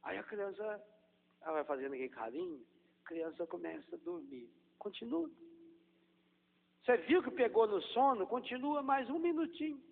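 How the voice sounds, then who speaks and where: Priest preaching in an echoey hall. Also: male voice, high voice, normal speed, gravelly. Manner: animated preaching that swings from hushed demonstration to loud emphasis. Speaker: Catholic priest. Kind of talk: sermon. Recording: echoey hall over a tinny, phone-like line.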